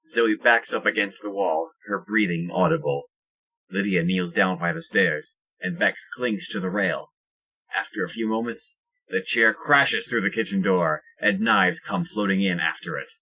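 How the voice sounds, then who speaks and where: A man with a husky voice reading scripted narration for an audio drama. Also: deep voice, measured pace, bright, forceful tone, poor audio.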